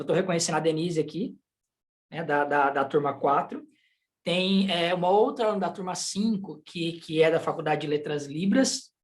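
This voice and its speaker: Speaking with a Brazilian Portuguese accent, a man with a slightly high voice runs a live online sign language class. He chats with the students and regularly checks in using rhetorical questions.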